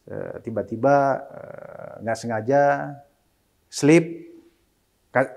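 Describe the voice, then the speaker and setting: Extremely slow and creaky, the medium-pitched voice belongs to a middle-aged single father giving an interview. He chats casually with English mixed in, turning animated as he quotes his children.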